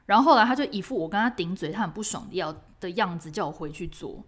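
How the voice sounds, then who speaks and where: Animated Taiwanese woman telling a story. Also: fairly low pitch, quick pace, slightly rough. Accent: Taiwanese Mandarin. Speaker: podcast host. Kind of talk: storytelling podcast.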